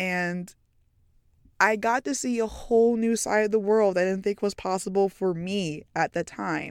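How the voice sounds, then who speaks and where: On a very clean recording with a silent background, a woman with an American accent speaks at a moderate pace with ordinary pitch variation. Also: medium pitch for a woman. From East Texas, US (Tyler), Nigerian parents. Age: 20s. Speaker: podcast host, travel advice; nurse. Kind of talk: casual solo podcast monologue. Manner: chatty, informal.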